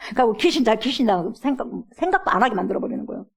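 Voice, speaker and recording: A middle-aged woman pastor preaching a sermon in a church, acting out pleas and swinging between loud and hushed. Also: on the high side, big pitch swings, fast talker, slightly rough. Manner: dramatic, acts out quoted pleas with big swings from loud to hushed. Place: church sanctuary.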